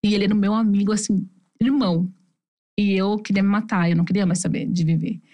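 A Brazilian woman appears as a podcast interview guest, telling her personal story quickly and candidly and acting out what her family said. Her voice is mid-range, steady, and dark in tone.

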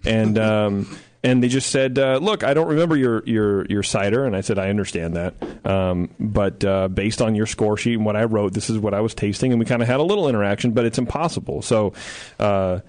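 A man's voice: lowish voice, a little fast, darkish tone. Male host, casual studio chat, jokey, laughs often. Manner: joking, laughs often, loose and chatty. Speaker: podcast host. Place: radio studio.

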